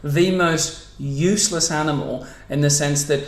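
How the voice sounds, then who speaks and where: Young Aussie-accented guy, slightly higher voice, curious dry co-host, echoey room. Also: steady tone, a little slow. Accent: Australian. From New Zealand, raised in Australia. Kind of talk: casual comedic chat.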